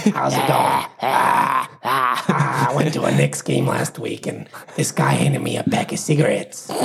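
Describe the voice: A man's raspy, put-on character voice at a moderate pace, with clear background noise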